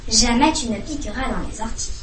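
A woman's voice: on the high side, a little fast, lightly acted. A woman voicing a firm but kindly old male owl teacher in a storybook reading, giving encouraging instructions. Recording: roomy echo, distant mic, faint hum.

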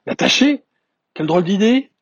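A man's voice: sing-song, normal speed, a little mellow, husky, no echo. A man voicing a small, curious boy prince from another planet in a storybook read-aloud, speaking in an earnest, insistent way. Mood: amazed. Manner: earnest, insistent, high childlike delivery. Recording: dull lo-fi recording.

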